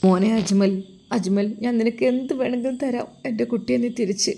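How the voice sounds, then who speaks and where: A woman's voice: a little high, brisk, vocal fry, warm tone, slight background noise. A woman voicing a desperate wealthy Arab father pleading for help on the phone in a told story. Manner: pleading, anxious.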